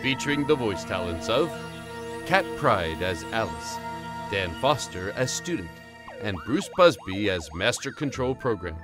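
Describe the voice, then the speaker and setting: A man's voice: lowish voice, sing-song, measured pace. Male credits announcer over music. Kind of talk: scripted credits narration.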